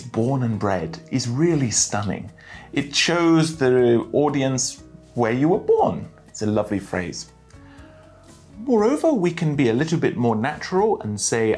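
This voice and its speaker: A man teaching a spoken English lesson with enthusiasm, praising each useful phrase and speaking clearly and deliberately. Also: mid-range voice, a little mellow.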